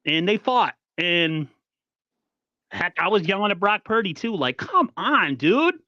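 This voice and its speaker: A man hosting a casual sports podcast, talking in an animated, rambling way with frequent restarts. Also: high-pitched, a little slow, no echo, muffled recording. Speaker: podcast host.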